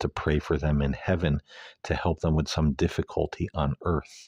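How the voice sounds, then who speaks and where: With a dry, close sound and no echo, a man speaks at a moderate pace. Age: 50s. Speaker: podcast host. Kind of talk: solo podcast monologue. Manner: frequent filler words and repetitions.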